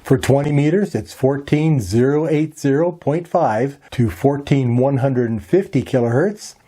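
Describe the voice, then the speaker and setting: Guy doing a scripted how-to narration, mellow relaxed voice, measured and instructional. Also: medium pitch, husky. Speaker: presenter of an amateur radio tutorial.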